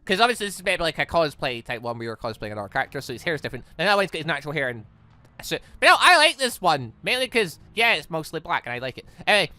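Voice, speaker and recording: An excitable, chatty let's player giving casual reaction commentary on a video game. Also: mid-range voice, racing.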